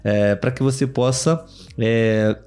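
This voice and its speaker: A man's voice: medium pitch, steady tone, takes it slowly, a little mellow, clear, resonant tone. A man with a Brazilian Portuguese accent, hosting a podcast in a casual, chatty way with many fillers and asides to his co-host.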